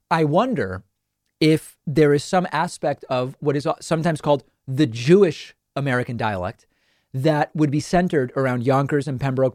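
A man's voice: medium pitch, a little mellow, dry recording, studio quality. A man hosting a political talk show with a southern western New England accent, talking in a chatty, digressive way with frequent restarts. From grew up in southern western New England. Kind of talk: casual monologue.

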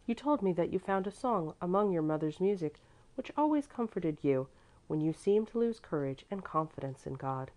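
A woman reading the part of a kind, wise motherly woman who speaks tenderly and calmly to comfort a child. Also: on the low side, moderate pace. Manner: tender, calm, reassuring.

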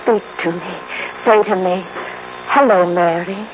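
In a 1950s radio drama, an actress plays a possessive, unstable housewife, delivering her lines in an intense, deliberate, commanding way. Her female voice is natural and lowish. The old radio recording sounds dull and noisy.

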